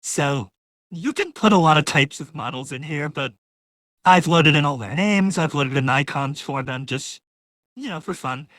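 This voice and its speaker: A woman talking casually through a software demo, her voice converted by a real-time voice changer into a masculine one. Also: sits low, animated, normal speed, no room sound, clean studio sound. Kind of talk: casual live software walkthrough.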